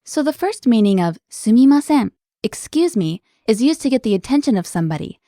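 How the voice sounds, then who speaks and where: A woman with a slightly high voice hosts a language lesson, explaining each word in a clear, upbeat way. The sound is close and dry, with no room around it. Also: very animated, a little fast, warm tone, no room sound. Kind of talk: scripted lesson dialogue.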